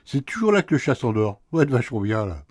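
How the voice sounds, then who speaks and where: A man's voice: medium pitch, sing-song, fairly quick, darkish tone, no room sound. Man playing a dry, sarcastic sleepy husband. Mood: grumpy, teasing. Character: sleepy teasing husband, middle-aged, sarcastic. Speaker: husband woken at night. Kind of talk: radio play acting.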